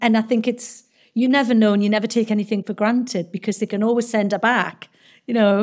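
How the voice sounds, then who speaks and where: A woman's fairly high voice in a British accent, fairly quick and fairly even in intonation, over a very clean recording with a silent background. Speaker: actor. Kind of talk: casual interview chat.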